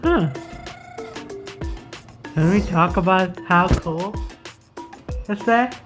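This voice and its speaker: A woman gaming streamer giving casual gameplay commentary in halting, muttered reactions. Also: on the low side. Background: game music.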